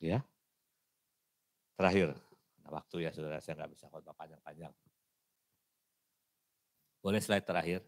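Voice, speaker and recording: A man with an Indonesian accent preaching a sermon, switching between loud emphasis and quiet asides and acting out little dialogues. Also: extremely low pitch, fairly even intonation, moderate pace, long pauses, no echo. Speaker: evangelist preacher.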